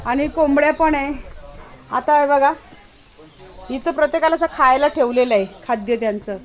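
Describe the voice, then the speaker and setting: High-voiced woman vlogging on a farm. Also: moderate pace. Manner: chatty, coaxing pets with repeated words. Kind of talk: casual vlog narration. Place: farm cowshed outdoors with animals.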